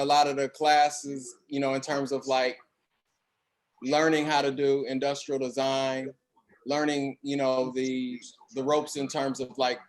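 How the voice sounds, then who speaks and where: Man guest, from Chicago, relaxed and friendly, casual chat, laptop mic at home. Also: mid-range voice, low-quality recording. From Chicago, USA. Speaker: guest designer. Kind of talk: casual chat on video call. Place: home room with window blinds. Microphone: laptop mic on video call.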